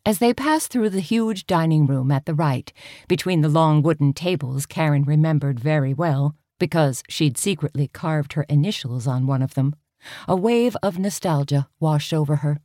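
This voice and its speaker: Low-voiced woman narrating a story. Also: normal speed, mellow, dry recording, clean studio sound. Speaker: audiobook narrator. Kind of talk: scripted narration.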